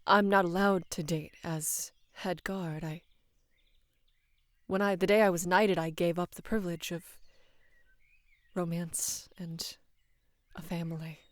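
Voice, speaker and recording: A young woman in her twenties playing a devoted female knight in love with her queen, speaking hesitantly and deferentially in a soft, breathy voice for intimate roleplay audio. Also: fairly low pitch, fairly even intonation, no echo, natural voice. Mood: flustered, earnest. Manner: hesitant, halting, deferential, earnest.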